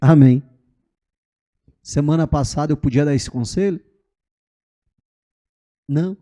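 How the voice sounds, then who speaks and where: A man's voice: on the high side, slow pace. A male pastor preaching a sermon in church, telling a story and often checking in with the congregation. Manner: animated storytelling, keeps asking the congregation "né?" and "amém". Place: church during a live service.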